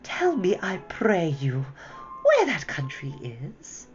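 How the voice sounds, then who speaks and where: Woman doing a soothing, half-mocking witch queen for a storybook, slow and lilting, lively swoops in pitch, slightly dull recording with faint music. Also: heavily acted. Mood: coaxing. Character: coaxing, half-mocking enchantress queen, sweetly menacing.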